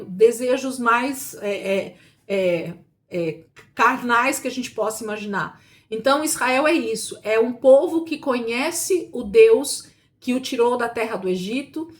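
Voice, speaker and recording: A woman teaching a Bible class in a conversational, emphatic way, asking rhetorical questions and slowing down to stress her points. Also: on the high side.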